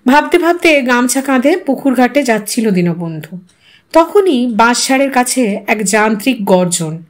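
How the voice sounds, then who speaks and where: A woman storyteller reading a scripted literary audio story expressively. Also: fairly high pitch. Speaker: storyteller, channel narrator.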